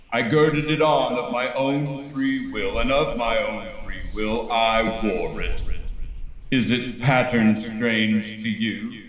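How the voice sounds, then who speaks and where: A male actor plays a sorrowful male ghost in a radio play, declaiming with grave weight. The words come slowly out of a big, muffled echo. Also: medium pitch, natural voice. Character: solemn, sorrowful ghost of a dead business partner. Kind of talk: theatrical radio drama acting.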